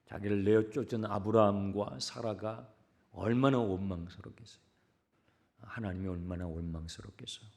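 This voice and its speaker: A middle-aged male pastor preaching a sermon, moving from hushed whispers to loud cries and acting out the voices he quotes. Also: on the low side, normal speed, vocal fry. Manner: dramatic, swings from hushed whispers to shouting; acts out quoted voices in the telling.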